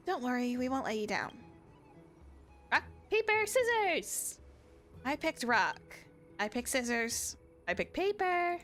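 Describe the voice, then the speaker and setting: A woman's voice: fairly high pitch, sing-song, normal speed, fairly bright tone. A woman voicing small, earnest, sweet-loving girls in a cooking game with an eager, cutesy manner. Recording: music behind the voice.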